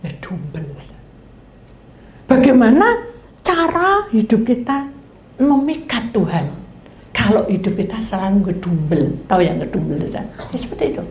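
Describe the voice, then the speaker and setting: Seorang pendeta perempuan paruh baya berlogat Jawa menyampaikan khotbah dan kesaksian, memerankan dialognya sendiri dan sering bertanya kepada jemaat. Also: female voice, a little high, normal speed, slight background noise. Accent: Javanese. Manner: animated storytelling, acting out her own dialogues, asks the congregation questions. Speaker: pastor. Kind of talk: sermon with personal testimony. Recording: echoey hall with faint ambience.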